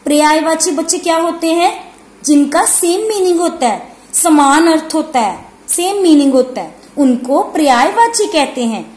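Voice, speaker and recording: A woman teaching young children, who explains slowly, asks questions and repeats and stresses key words. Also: sits high, expressive, darkish tone. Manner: calls the pupils 'beta' and asks questions before answering them. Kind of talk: online lesson for young children. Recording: echoey room.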